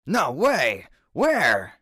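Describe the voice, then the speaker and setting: Man acting an eager, sharp-voiced card scavenger. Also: a little high, huge pitch swings, extremely slow, husky, no room sound, clean studio sound, full character voice. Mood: eager, picky. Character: smug, eager scavenging card duelist in glasses. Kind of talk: fan audio drama acting.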